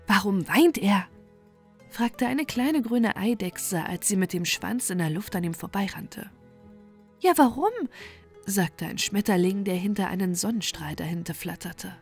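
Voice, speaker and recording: A woman calmly reading a bedtime fairy tale in a soft voice that sinks to a near whisper, over faint music. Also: mid-range voice, normal speed, vocal fry, few pauses, slightly rough. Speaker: storyteller.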